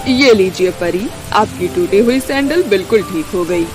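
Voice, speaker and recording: A woman's voice: medium pitch, animated, normal speed, close to an everyday voice. Casting: woman as modest young village cobbler for cartoon storybook, mid-range voice, courteous, over music. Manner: polite, modest. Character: humble, dutiful poor young cobbler man. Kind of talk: Hindi animated fairy-tale voice acting.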